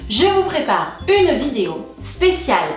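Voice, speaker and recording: Young woman, vlog host, playful asides, animated delivery, echoey room, soft music behind. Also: high-pitched, a little slow. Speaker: breastfeeding channel host. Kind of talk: informative vlog monologue.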